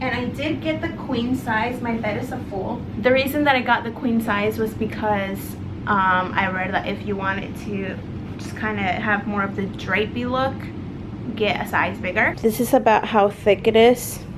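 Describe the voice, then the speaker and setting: A woman's voice: medium pitch, fairly even intonation, normal speed, noisy background. A young woman casually reviewing products for her vlog at home, talking straight to viewers with lots of ums and likes. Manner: chatty, addresses viewers as guys, many ums and likes. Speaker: vlogger. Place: at home, bedroom and stairs.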